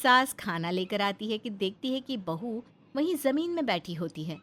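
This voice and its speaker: A woman's voice: mid-range voice, animated, normal speed, a bit bright. A woman narrating a cartoon story in a plain storytelling manner.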